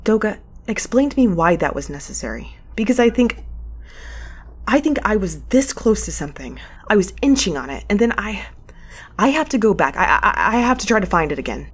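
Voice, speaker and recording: Woman playing a husky, stubborn space courier. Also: medium pitch, sing-song. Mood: frantic, irritated. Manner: conversational, halting, wry. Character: anxious, stubborn young space courier, sharp-tongued and curious. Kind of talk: audio drama acting with confiding narration.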